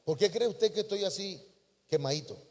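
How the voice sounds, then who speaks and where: A man's voice: sits high, animated, a little fast. A man preaching a folksy sermon, calling listeners brother. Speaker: pastor. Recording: long hall reverb.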